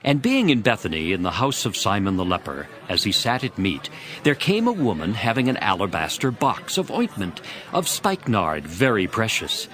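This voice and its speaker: A man's voice: on the low side, wildly swooping pitch, normal speed, a bit bright. A man narrating scripture from a script for a dramatized audio Bible. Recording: music behind the voice. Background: background music.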